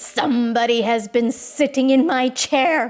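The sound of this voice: In a put-on character voice, a female-sounding speaker talks gruffly with a high pitch at a fairly slow pace.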